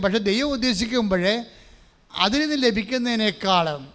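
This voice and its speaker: High-voiced male preacher in a reverberant hall. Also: fairly bright tone, clean tone. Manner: asks the congregation questions and has them repeat verses; mixes English phrases into his talk. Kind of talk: sermon with call-and-response. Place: large church hall.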